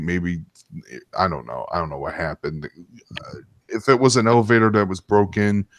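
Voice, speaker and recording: Low-voiced man rambling through a casual story. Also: no room sound. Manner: rambling, profane. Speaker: stream host.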